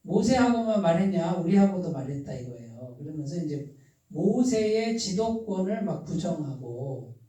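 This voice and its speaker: A man's voice: fairly high pitch, very animated, normal speed, warm tone. Man preaching in a very echoey church hall. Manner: asks the congregation questions and waits for answers. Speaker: pastor. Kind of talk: sermon. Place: church sanctuary. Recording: very echoey room, voice far from the mic.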